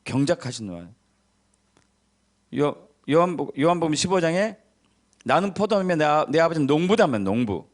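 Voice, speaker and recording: A middle-aged male pastor preaching a sermon. He stresses key words by repeating them low, and he tells stories in which he acts out the voices of the people in them. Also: big pitch swings, moderate pace, long pauses.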